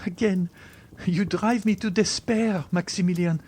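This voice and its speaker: A man's voice: high voice, steady tone, unhurried, darkish tone, breathy edge, voice pushed up. A man voicing a devoted young woman, pleading and reproachful in an impassioned, melodramatic audiobook reading. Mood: despairing. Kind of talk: dramatized audiobook reading of a classic novel.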